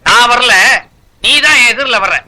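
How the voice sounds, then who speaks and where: A man's voice: very high voice, unhurried, noisy background, voice pushed down. A man voicing a stern middle-aged male schoolteacher who scolds a pupil. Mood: scolding. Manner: scolding, insulting.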